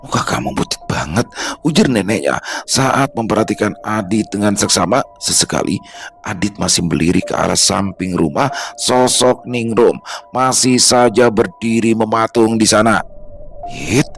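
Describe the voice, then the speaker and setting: A man narrating a horror story in a slow, hushed storytelling manner. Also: fairly low pitch. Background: faint background music.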